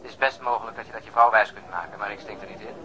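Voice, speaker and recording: An actor playing a brisk, sceptical police colleague in a radio drama, dry and needling, over a telephone filter. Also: male voice, lowish voice, steady tone, sharp tone. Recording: dull, band-limited telephone sound.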